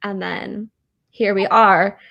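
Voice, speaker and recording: A woman's voice: medium pitch, flat delivery, slow pace, gravelly, muffled recording. A young American woman co-hosting a casual book chat, informal and playfully self-deprecating. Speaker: co-host of a book discussion live stream. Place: in bed at home.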